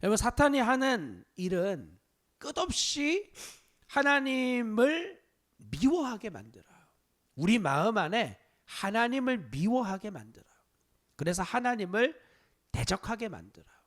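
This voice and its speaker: A male pastor preaching a Wednesday service sermon to his congregation, stressing points loudly, dropping to hushed asides, and asking rhetorical questions. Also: high-pitched, very animated, measured pace. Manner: emphatic preaching, swinging between loud stress and hushed asides. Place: church sanctuary.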